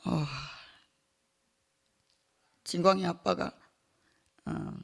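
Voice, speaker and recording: Here the same kind of church testimony comes from a middle-aged woman with a fairly low, steady, gravelly voice. Her delivery is unhurried and halting, full of fillers and soft laughter between phrases. It feels sincere and personal, not rehearsed.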